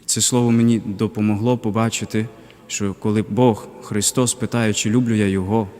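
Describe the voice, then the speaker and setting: A young man serving as a deacon tells his personal faith testimony in a low, reflective voice, pausing often and searching for words. The sound rings with the long reverb of a large church. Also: level tone, darkish tone. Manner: reflective, halting, with pauses and fillers. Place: cathedral parish.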